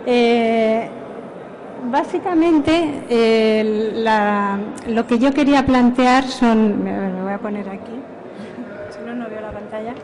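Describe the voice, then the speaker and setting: A middle-aged woman with a Spain Spanish accent gives a conference talk, relaxed and informal with a touch of self-deprecation. Her voice sits a little high, and she talks loosely, like a professor at ease in front of a room. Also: takes it slowly. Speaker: university professor giving a lecture.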